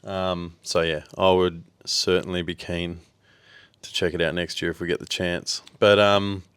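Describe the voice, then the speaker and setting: A man's voice: low-pitched, flat delivery, a little slow, fairly bright tone, smooth, no echo. A laid-back Australian man from Western Australia, co-hosting a podcast in casual chat and rambling with fillers. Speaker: podcast co-host.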